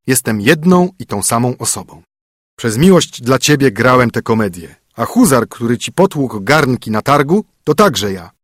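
A man's voice: mid-range voice, big pitch swings, normal speed, dry recording, studio quality. A man voicing a stern young king disguised as a poor fiddler, commanding, in a storybook reading. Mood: reassuring. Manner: commanding, firm.

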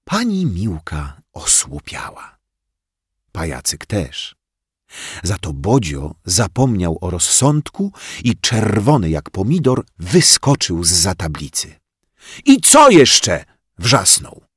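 Brief: low-voiced man narrating a children's story, lively intonation, dry studio sound. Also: breathy edge, dry recording. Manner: slow, expressive, plays many voices. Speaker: audiobook reader.

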